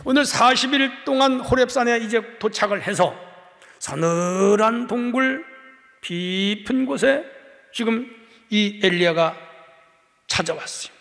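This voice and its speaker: High-voiced impassioned pastor in a reverberant hall. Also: male voice, animated, a little slow. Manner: impassioned, swings between hushed and raised voice. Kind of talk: sermon. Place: church sanctuary. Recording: long church hall reverb.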